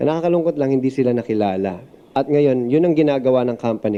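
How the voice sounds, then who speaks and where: A man's pitch varies in an ordinary way as he speaks very fast. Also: medium pitch for a man. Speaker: voice actor. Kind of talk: interview answer.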